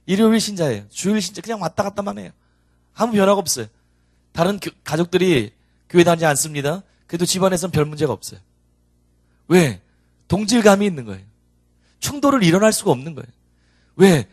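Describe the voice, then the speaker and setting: A man's voice: a little high, dry recording, studio quality. A male pastor preaching an expository sermon, building up emphasis through repeated rhetorical questions. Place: church.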